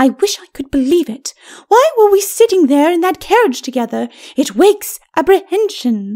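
A woman uses a put-on character voice at an extremely high pitch with very wide pitch swings and a moderate pace. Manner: cold, cutting, sardonic.

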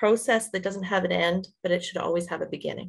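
Against a quiet background, a woman talks with vocal fry and ordinary pitch variation. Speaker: nonprofit managing director. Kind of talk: breakout group report. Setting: video call. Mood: warm, engaged. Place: home room. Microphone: video call.

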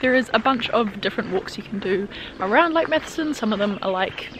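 A woman at a fairly quick pace, lively in intonation, dry with no echo, against noticeable background noise. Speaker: travel vlogger. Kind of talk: casual vlog chat. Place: forest. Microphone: phone near.

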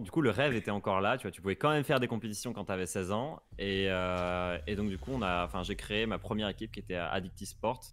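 A man speaks very fast at a fairly low pitch, with hardly any pauses and ordinary pitch variation. The recording is very clean, with a silent background. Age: young. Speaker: pro esports player. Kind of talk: interview.

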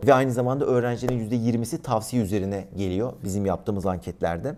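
A man speaks very fast at a medium pitch, his tone dark and mellow. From Turkey, Erzurum. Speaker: e-commerce entrepreneur and online course seller. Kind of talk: casual YouTube vlog commentary.

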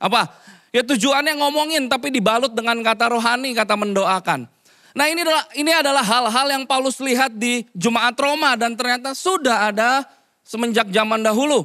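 The voice is raised and projected, bright and sharp in tone, with very even loudness and a fairly quick pace over a quiet background. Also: man, extremely high pitch for a man, ordinary pitch variation. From Indonesia. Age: young. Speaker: pastor. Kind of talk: sermon. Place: church. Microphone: handheld.

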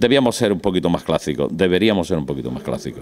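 A man speaks at a very fast pace. His voice carries vocal fry. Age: 50s. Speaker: businessman and brotherhood president; interviewee. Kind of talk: interview. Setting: dinner event. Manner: halting. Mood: warm, festive. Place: bar. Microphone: handheld.

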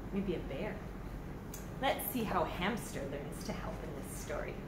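A woman speaks at a moderate pace. Loud background noise runs behind her. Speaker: teacher reading to children. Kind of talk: children's story read aloud, interactive storytelling to young pupils. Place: classroom.

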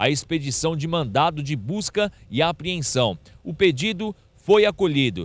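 At a fairly slow pace, a man speaks with fairly high pitch. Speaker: reporter. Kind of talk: news reporting, police news read in a formal report style. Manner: formal, measured, steady reporter delivery with some filler hesitations.

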